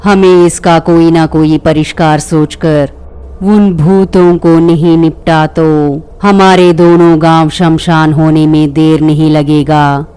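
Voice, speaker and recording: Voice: medium pitch, flat delivery, takes it slowly, a little mellow, smooth, lightly acted. The narrator voicing a worried grown village headman in a dubbed storybook cartoon, speaking earnestly.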